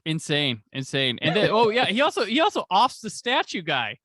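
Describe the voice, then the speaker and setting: A man hosting a casual podcast chat. His fairly high voice has a bright, forward edge, and he recaps the episode with eager, jokey asides, close to the microphone in a dry room. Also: wildly swooping pitch, moderate pace, no echo. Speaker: podcast host.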